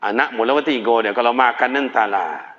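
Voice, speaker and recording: A man preaching a sermon in a mosque with a Kuantan Singingi Malay accent, dramatic and animated, telling stories in a folksy way. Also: mid-range voice, a little fast. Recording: echoey mosque hall, dull PA sound.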